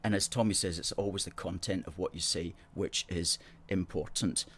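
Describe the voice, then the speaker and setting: A man's voice: low-pitched, steady tone, normal speed, a bit bright, a little hiss or hum. A middle-aged man with an educated Scottish accent, hosting a livestream and replying to viewer comments in a chatty, sardonic way. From born in Hong Kong. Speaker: host.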